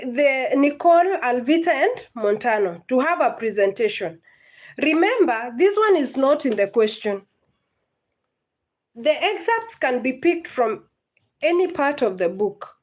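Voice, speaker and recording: A woman's voice: sits high, very animated, unhurried, pauses often. A woman, teaching literature in a live-streamed lesson, patient and repetitive, often checking whether her students understand. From Kenya.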